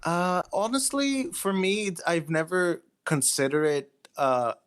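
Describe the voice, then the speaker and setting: A man being interviewed as a writer, explaining himself casually in a thoughtful, somewhat halting way. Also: high voice, a bit bright, clean tone.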